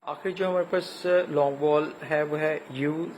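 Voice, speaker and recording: A man with a Pakistani accent teaching an English lesson, spelling words letter by letter and pausing with frequent hesitations. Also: on the high side, fairly even intonation, a little hiss or hum, rough recording. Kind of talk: recorded classroom lecture.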